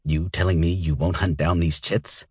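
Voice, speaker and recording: A man voicing an old male lizard-like alien weapons dealer who talks in a slow, hissing, grudging way, with a husky voice. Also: deep voice, fairly even intonation, a little mellow, no room sound, clean studio sound. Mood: gruff.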